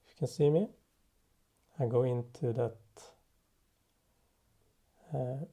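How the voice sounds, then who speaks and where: A man presenting an unscripted software tutorial in a halting way, thinking aloud as he works. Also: medium pitch, vocal fry. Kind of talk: unscripted software demo narration.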